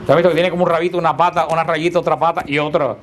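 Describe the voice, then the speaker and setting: A man's voice: a little high, flat delivery, rapid-fire, slight background noise. A man teaching a Bible class to a live group in a room, speaking conversationally and often asking his listeners questions. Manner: conversational, asks the class questions, playful teasing.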